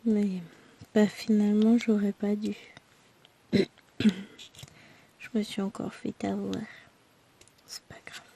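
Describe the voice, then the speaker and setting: Hoarse, tired French-speaking woman vlogger. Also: medium pitch, flat delivery, slow pace, long pauses, warm tone. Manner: rambling, talkative, self-deprecating. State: hoarse from a throat infection. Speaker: crafting vlogger. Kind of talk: chatty personal update to viewers.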